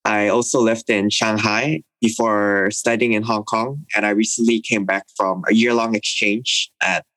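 Low-voiced young man, thoughtful and measured. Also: little pitch movement, fairly bright tone, no echo, low-quality recording. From Indonesia. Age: young adult. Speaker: interviewee, university student. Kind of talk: recorded interview.

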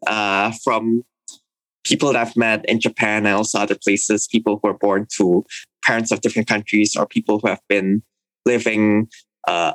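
A young man from Indonesia, speaking thoughtfully in a recorded interview and pausing with fillers as he reflects. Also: on the low side, fairly bright tone, no room sound, rough recording. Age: young adult. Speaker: interviewee, university student.

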